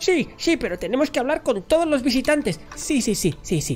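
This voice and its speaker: Clear background noise sits behind a put-on character voice. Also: moderate pace. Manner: rambling, repetitive.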